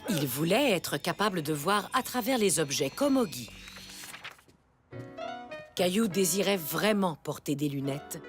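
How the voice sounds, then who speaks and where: A woman playing a gentle storybook narrator, telling a scripted story for small children. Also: fairly low pitch, animated, measured pace, pauses often, faint music behind. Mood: gentle storytelling.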